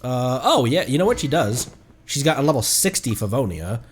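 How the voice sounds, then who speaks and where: A man's voice: mid-range voice, very animated, moderate pace, slight background noise. A man doing casual, goofy livestream commentary while he plays a video game. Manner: playful, goofy, often parrots game characters. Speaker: streamer.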